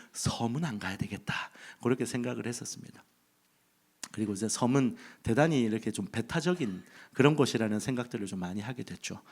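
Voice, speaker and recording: Pastor guy from busan, handheld mic in a church, storytelling sermon with jokes, pitch bouncing around a lot. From Busan, South Korea. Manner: humorous storytelling with acted inner thoughts. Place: church sanctuary.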